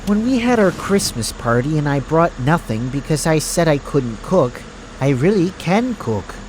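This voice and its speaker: A woman's voice: deep voice, very animated, moderate pace, darkish tone, slight background noise, poor audio. A woman voicing a smug, sinister male crime boss in an audio drama, with mock-polite, gloating theatrical delivery. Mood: smug, menacing.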